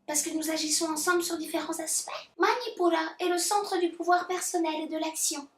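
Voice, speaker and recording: A woman voicing a gushing, syrupy female heart chakra spirit who talks in a soft, preachy, loving way. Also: very high voice, fairly even intonation, a little fast, recorded from a distance, pitched above the performer's own voice. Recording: roomy echo.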